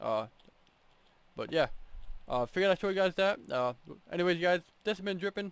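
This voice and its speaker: Quiet and high-pitched, a man speaks with a dry, close sound and no echo. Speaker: gaming YouTuber. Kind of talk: gameplay tutorial. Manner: fast.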